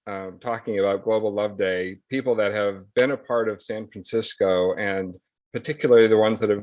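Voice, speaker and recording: A man speaking over a group video call as a guest from a nonprofit, giving earnest and reflective acceptance remarks with gentle laughs. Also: lowish voice, no room sound, rough recording. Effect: heard over a group video call. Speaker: guest from a nonprofit receiving a proclamation. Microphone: computer mic on a video call.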